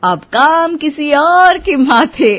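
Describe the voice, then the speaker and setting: Animated woman storyteller. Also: mid-range voice. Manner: animated, expressive. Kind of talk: scripted narration.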